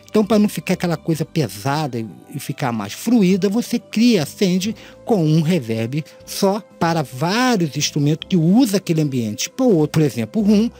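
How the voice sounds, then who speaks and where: A man's voice: on the high side, dark tone, slightly rough. A middle-aged Brazilian man with a tongue-tied lisp and slushy s sounds, giving an earnest, informal lesson and often rephrasing his points. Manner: earnest, repeats and rephrases his points, addresses listeners formally. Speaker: host of an audio mixing tutorial channel.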